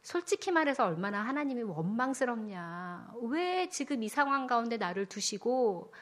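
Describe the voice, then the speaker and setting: A woman, a pastor's wife, preaching a sermon earnestly, moving between hushed whispered stretches and fervent raised emphasis. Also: fairly high pitch, sing-song, moderate pace.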